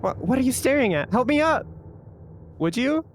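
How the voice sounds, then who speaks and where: Game villain: pompous, aggrieved theater director played by a man, declamatory overacted death-scene delivery, very animated pitch. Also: moderate pace, slight background noise. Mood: hammy, indignant.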